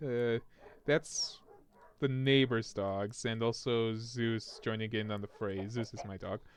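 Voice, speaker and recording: Against noticeable background noise, a man speaks at a fairly slow pace. His pitch is medium, with ordinary variation. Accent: American. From Texas. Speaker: gaming YouTuber. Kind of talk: casual rambling commentary while gaming. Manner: hesitant, many filler uhs; animated.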